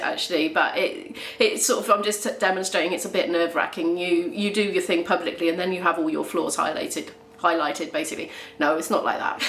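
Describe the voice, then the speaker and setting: A young woman from Wales talks to her camera in a loose, rambling vlog style and laughs now and then. Her voice sits at an ordinary pitch for a woman. The room around her rings a little, with a faint hiss underneath. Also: a bit bright, reverberant. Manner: chatty, rambling, laughs often. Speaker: vlogger. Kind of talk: casual vlog chat to camera.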